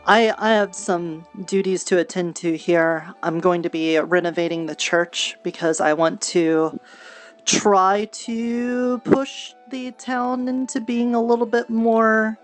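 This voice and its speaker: A woman's voice: medium pitch, fairly even intonation, slow pace, soft background music. A woman improvising in-character fantasy roleplay in a conversational, earnest way. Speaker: streamer and roleplay player. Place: online virtual reality session.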